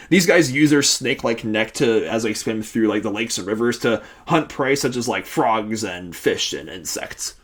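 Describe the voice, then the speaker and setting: Rambling young man in a casual vlog. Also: fairly low pitch. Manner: rambling, many fillers and restarts; excitable fan talk. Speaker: host.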